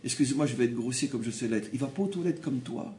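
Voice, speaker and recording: A man from France, giving a Torah class, animated and repeating phrases as he makes his points. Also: medium pitch, quick pace, a little hiss or hum. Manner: animated, repeats phrases, acts out quoted people. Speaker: religious teacher. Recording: roomy room with faint background ambience.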